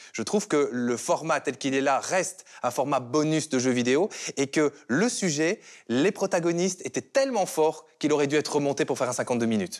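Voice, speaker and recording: An unremarkable speaking voice, a man's at a fairly high pitch, moves at a moderate pace with lively intonation and very even loudness on a very clean recording with a silent background. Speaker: journalist from Belgian public broadcaster. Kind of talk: panel discussion.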